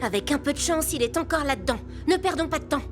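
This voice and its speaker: A sensible girl hero from a children's cartoon, calm and reasoned. Her voice sits high. Music plays behind. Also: fast. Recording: music under the voice.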